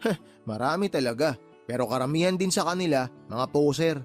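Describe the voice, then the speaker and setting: A man's voice: on the high side, lively intonation, brisk, soft background music, natural voice. A man playing a wisecracking loyal buddy. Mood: joking. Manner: teasing, boastful, laughing. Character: joking loyal younger male buddy, playful. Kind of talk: radio drama acting.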